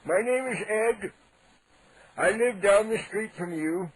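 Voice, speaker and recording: A man's voice: high voice, takes it slowly, breathy edge, full character voice, low-quality recording. A man playing a cranky, indignant 87-year-old neighbor on a prank call, making blustering threats with mock-polite outrage. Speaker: prank caller.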